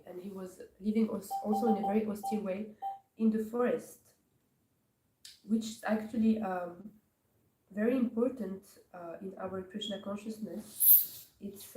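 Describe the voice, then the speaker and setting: A woman from Morocco gives a scripture class, pausing often and searching for her words. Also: medium pitch. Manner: hesitant, searching for words with many pauses. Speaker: class speaker. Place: temple hall. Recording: echoey hall from far off, faint noise.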